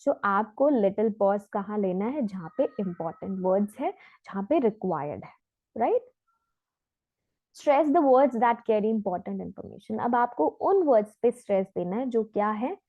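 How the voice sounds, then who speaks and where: A woman teaching an exam prep lesson. She switches between Hindi and English, answers her own questions, and reads the sample passages slowly and carefully. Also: mid-range voice, expressive, dry recording. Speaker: test prep trainer. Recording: tinny phone-like lo-fi audio.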